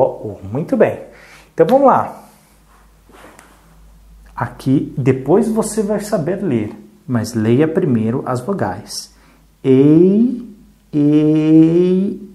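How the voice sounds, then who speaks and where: A Brazilian teacher giving a slow, patient adult literacy lesson, counting letters aloud and checking in often. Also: mid-range voice, warm tone. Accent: Brazilian Portuguese.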